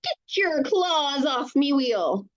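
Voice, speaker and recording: A woman voicing a gruff, stubborn young boy pirate for a children's storybook, growling and exclaiming in a stage pirate accent, on a dull lo-fi recording. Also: high-pitched, sing-song, slow pace, pitched above the performer's own voice, full character voice. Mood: gruff, defiant. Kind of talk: children's storybook read-aloud.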